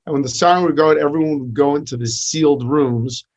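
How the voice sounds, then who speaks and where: A man's voice: a little high, quick pace, dull audio. A middle-aged man, a rabbi, talking in a podcast interview, telling stories and teaching with many restarts and fillers. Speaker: rabbi and podcast host, guest.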